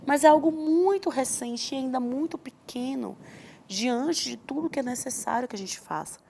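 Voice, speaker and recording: A woman's voice: fairly high pitch, a little mellow, a little hiss or hum. A woman with a Brazilian Portuguese accent, a guest expert on parenting, explaining earnestly in an interview and acting out parent and child lines.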